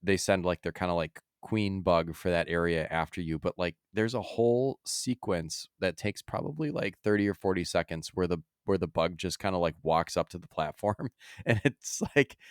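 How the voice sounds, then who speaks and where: A man's voice: low voice, normal speed, smooth, no echo, studio quality. A man co-hosting a podcast, casually discussing video games in a rambling way that often drifts from his thread. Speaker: podcast co-host.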